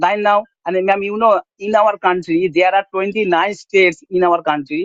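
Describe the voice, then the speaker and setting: The speaker has a Bengali accent and a moderate pace. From India, West Bengal. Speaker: English conversation partner. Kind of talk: conversation practice.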